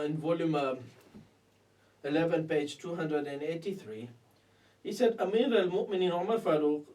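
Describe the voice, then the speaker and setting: A man in his thirties with a South Asian accent gives a halting, repetitive religious lecture on texts, often punctuated with a tag phrase. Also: on the high side, darkish tone. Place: indoors at a desk in a small curtained room. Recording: distant microphone in a room.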